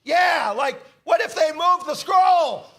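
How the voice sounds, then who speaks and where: A man's voice: extremely high pitch, lively intonation, takes it slowly, fairly bright tone, shouting, heavily acted. A man playing a goofy, dim, eager sidekick in a staged comedy reading, earnest and given to stammering and bellowing. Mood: loud, oblivious. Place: live staged reading in a church.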